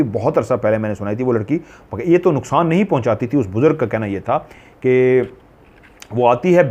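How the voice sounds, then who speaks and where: A man's voice: mid-range voice, a little mellow, highs cut off. A man telling a horror story in a casual, rambling way, full of asides and self-corrections.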